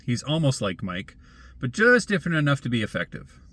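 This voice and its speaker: A man's voice: mid-range voice, very animated, brisk, a bit bright. Male commentator, mid-range voice, sardonic and rhetorical delivery of a written opinion piece. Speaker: blogger and commentator. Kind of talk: scripted opinion essay read aloud.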